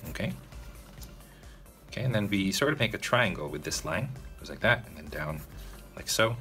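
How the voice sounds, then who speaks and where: A man with a low yet bright, forceful voice talks through a drawing step by step in a relaxed way. He speaks straight to his viewers and often pauses to ask "okay?". Faint music plays behind him. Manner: casual, addresses viewers directly, frequent "okay?" check-ins. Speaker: drawing tutorial host. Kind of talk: narrated step-by-step drawing tutorial.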